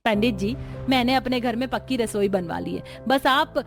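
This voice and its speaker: A woman's voice: a little high, moderate pace, soft background music, natural voice. A woman doing a stern mother-in-law. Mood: determined. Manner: firm and dignified. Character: stern traditional middle-aged mother-in-law.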